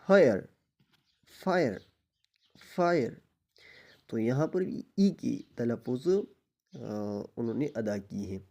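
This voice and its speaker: A man's voice: medium pitch, very animated, vocal fry, mellow. A man teaching English vowel sounds, saying example words again and again and checking that his students follow. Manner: repeats example words slowly, asks checking questions. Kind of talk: explaining English pronunciation.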